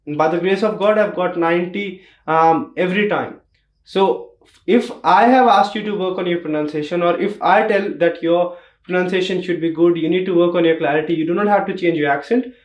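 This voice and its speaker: Speaking fairly quickly in a high-sitting voice, a young test prep teacher with an Indian accent delivers emphatic exam advice and goes over key points again. The tutorial is recorded in an echoey room.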